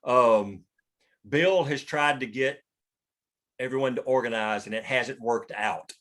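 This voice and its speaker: A man's voice: medium pitch, measured pace, a bit bright. A man leading a casual script discussion, explaining his thinking informally with the odd swear word. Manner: informal, explanatory, occasionally profane. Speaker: writer leading a script table read.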